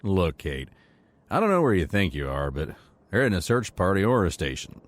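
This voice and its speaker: A man's voice: low voice, very animated, moderate pace. An actor playing a lonely, protective man long stranded as a castaway in an audio drama. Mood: stunned, haunted.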